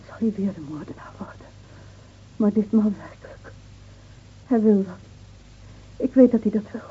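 A woman acting an anguished, desperate woman in a theatrical radio drama, pleading and shifting between outcries and breathy whispers. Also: mid-range voice. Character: anguished, desperate woman dreading her beloved Manuel's return. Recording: tinny, band-limited old radio play recording.

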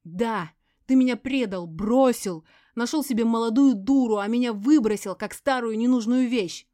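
A woman reading an audiobook voices a furious, spiteful ex-wife who hisses and yells, her voice breaking into shrieks. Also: medium pitch, fairly quick, dry recording, studio quality, lightly acted. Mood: venomous, screaming. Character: furious embittered ex-wife, spiteful poisoner, screaming.

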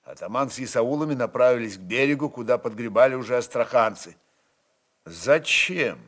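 A man narrating a literary story in an expressive, dramatized reading style. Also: mid-range voice, fast.

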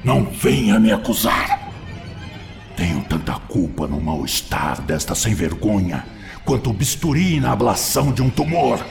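An actor playing a mocking, vindictive male spirit in a radio drama, with a gravelly, sarcastic, theatrical delivery. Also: fairly low pitch, sing-song, measured pace, full character voice. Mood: indignant. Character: mocking, vindictive male spirit, former obsessor, sneering and defiant. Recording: music bed behind the voice.

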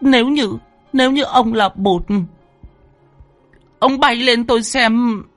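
A man voicing a frightened old village grandmother in her sixties, shrill and sobbing. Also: takes it slowly, dry recording, soft background music. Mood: timid doubtful. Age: 60s.

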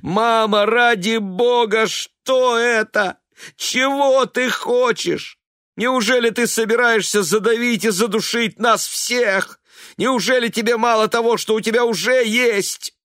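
Reader doing a desperate bitter son, strained, pleading, dry close voice. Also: male voice, very high voice, takes it slowly, fairly bright tone, no echo, pitched above the performer's own voice, heavily acted. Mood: shouting. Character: anguished young adult son, bitter and desperate. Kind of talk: audiobook character voice.

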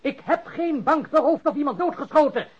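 Nervous evasive crook, lively pitch swings, stammering protests, radio play, lo-fi sound. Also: male voice, brisk. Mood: flustered, pleading. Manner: stammering, pleading, indignant. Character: cornered male crook, protesting his innocence, evasive, nervous. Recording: dull lo-fi radio recording.

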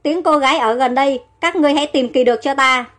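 A woman voicing a cunning, ruthless male king who barks commands, in a high voice. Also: fast, fairly bright tone, faint music behind. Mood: commanding. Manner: commanding orders.

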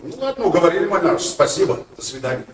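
An actor playing a brash, grumbling middle-aged man in a radio play, wordy and halting with mock-formal courtesy. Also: high-pitched, very animated, background noise.

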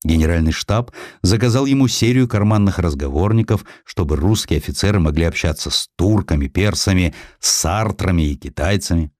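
A man reading a historical sketch as an audiobook narrator, with a theatrical, expressive delivery. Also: deep voice, brisk, hardly any pauses, no room sound, clean studio sound.

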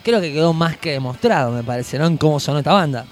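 A man's voice: fairly high pitch, expressive, fast talker. A man with an Argentine accent hosting a live music broadcast from a venue, chatting enthusiastically in a casual, slangy way. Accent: Argentine Spanish. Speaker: radio show host.

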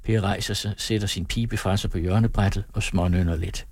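Male audiobook narrator, husky voice, somewhat low pitch, dry close recording, calm measured reading. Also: no room sound. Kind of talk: scripted narration.

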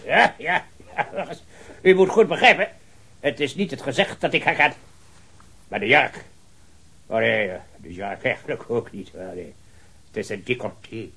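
An actor playing a jovial, talkative, hard-of-hearing old retired colonel who rambles heartily in a radio drama. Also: male voice, medium pitch, expressive, moderate pace, creaky, long pauses, pushed and bright, breathy edge, exaggerated voice. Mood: insistent, flustered. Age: older. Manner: rambling, hearty, with repeated affirmations and chuckles.

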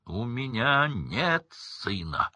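A man voicing a stern, hateful middle-aged magistrate who shouts his sentence at the accused. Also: low voice, expressive, normal speed, dry recording, full character voice. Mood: raging.

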